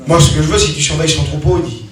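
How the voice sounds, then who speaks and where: A man's voice: on the high side, steady tone, racing, a crowd in the background. A man preaching a sermon as a personal story, emphatic and repetitive, often restarting his sentences. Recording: very echoey hall, mic far off.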